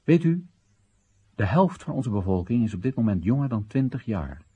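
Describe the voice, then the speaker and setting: A man's voice: medium pitch, very animated, normal speed, slightly rough, dull audio. An actor playing a wry Chinese everyman who narrates and questions his country's policies in a radio drama monologue, ironic, rhetorical and theatrical. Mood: ironic, indignant.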